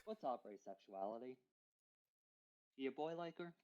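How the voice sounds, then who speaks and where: A man's voice: medium pitch, lively intonation, normal speed, a little mellow. A man playing a tabletop game, bantering casually and crudely, on a muffled microphone with some noise and clicks.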